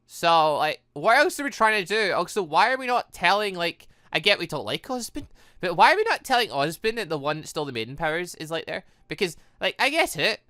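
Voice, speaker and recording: A video game let's-player giving rambling, excitable, casual commentary while playing. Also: mid-range voice, fairly quick, dry recording, clean studio sound. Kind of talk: casual gameplay commentary and read-aloud.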